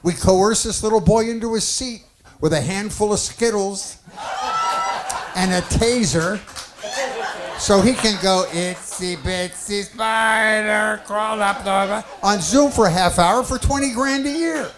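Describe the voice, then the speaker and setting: A man's voice: high voice, measured pace. A man in his sixties doing a dry stand-up set of one-liners. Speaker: stand-up comedian. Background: audience laughter and crowd.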